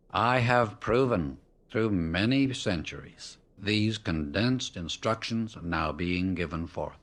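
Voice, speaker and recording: A man narrating a scripted spiritual discourse as an audiobook, solemn and measured, setting out short phrases with emphasis. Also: lowish voice. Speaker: audiobook reader.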